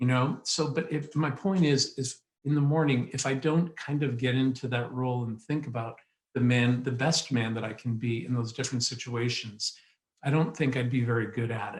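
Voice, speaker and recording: Somewhat breathy, a man talks at a moderate pace with a medium pitch. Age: 60s. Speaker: music industry education director. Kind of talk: motivational talk on a web panel. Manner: animated.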